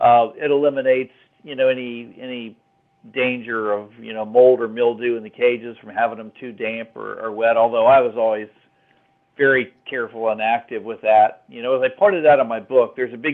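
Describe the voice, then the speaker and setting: A man speaks at a medium pitch and moderate pace with fairly even intonation. His loudness swings widely. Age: 60s. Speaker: green tree python breeder and author. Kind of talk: podcast interview. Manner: halting.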